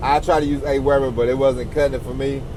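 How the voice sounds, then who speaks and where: A man's fairly high voice echoes audibly around the room amid noticeable background noise. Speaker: podcast host. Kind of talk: casual monologue. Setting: in a car. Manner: fast.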